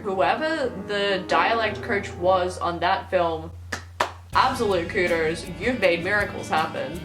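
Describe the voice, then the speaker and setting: A young Australian woman riffs in a sarcastic, animated, judgemental way with a strong Australian accent. Steady background music runs behind her. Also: mid-range voice. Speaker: youtuber. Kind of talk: casual commentary.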